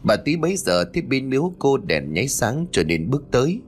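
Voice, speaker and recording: A man narrating a spooky family story in an expressive, dramatic storytelling style. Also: medium pitch, a little fast, slight background noise. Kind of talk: scripted narration. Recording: faint background music.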